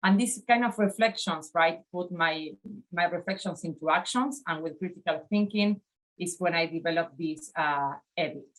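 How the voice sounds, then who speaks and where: Argentine-accented woman lecturing, slightly low voice. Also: moderate pace, poor audio. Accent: Argentine Spanish. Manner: reflective, often adds "right?". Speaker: design educator. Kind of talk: conference lecture over slides. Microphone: webcam on video call.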